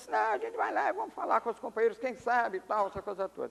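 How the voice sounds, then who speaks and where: A man's high voice moves with lively intonation. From Brazil, northern Rio de Janeiro state (Itaperuna). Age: 70s. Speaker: peasant movement leader. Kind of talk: testimony. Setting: seminar with audience.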